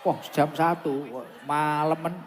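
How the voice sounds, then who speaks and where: A man's voice: little pitch movement, takes it slowly, slight background noise. A man with a Javanese accent preaching informally over a PA at a large gathering, chatting and bantering with the crowd as he repeats phrases. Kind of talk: informal sermon with asides to the crowd. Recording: long booming reverb of an outdoor PA.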